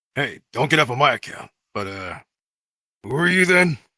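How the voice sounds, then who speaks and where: Using a put-on character voice, a man speaks raspily at a fairly high pitch and a moderate pace. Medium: audio drama. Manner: weary, irritable.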